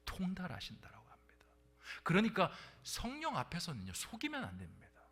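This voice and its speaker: Animated Korean pastor preaching. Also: male voice, sits high, fairly quick, slightly rough. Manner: dynamic preaching, drops to a whisper for emphasis; asks the congregation questions. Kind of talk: sermon at a Friday prayer meeting. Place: church sanctuary.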